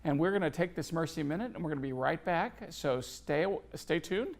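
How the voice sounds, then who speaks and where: A man hosting a local faith talk show, easygoing and halting, with many fillers and restarts. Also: fairly high pitch, expressive, vocal fry. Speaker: host.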